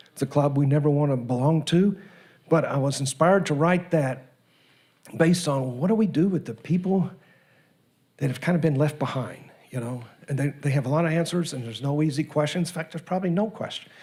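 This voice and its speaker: The man's fairly high voice is somewhat breathy, with a dark, mellow tone and ordinary pitch variation. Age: 70s. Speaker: author and medium. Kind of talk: casual talk to church congregation. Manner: halting, many fillers.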